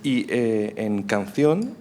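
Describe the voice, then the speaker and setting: A man's voice: on the low side, lively intonation, drawn-out words, darkish tone, a little hiss or hum. A man in the audience asking a writer a question, enthusiastic and self-deprecating as he speaks. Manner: enthusiastic, self-deprecating, laughs between phrases. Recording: long hall reverb with faint ambience.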